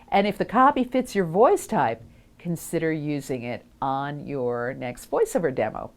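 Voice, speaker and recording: A woman hosting an instructional talk as a voice-over coach, speaking outdoors with clear, deliberate enunciation and emphatic phrasing. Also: lowish voice, a little mellow. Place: outdoors on a windy day.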